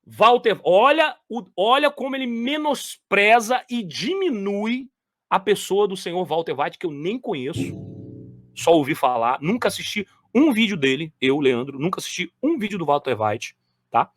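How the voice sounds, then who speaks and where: A man's voice: sits high, very animated, normal speed, fairly bright tone, no echo, studio quality. A man giving commentary on lecture clips. He talks straight to his viewers, stressing and repeating phrases.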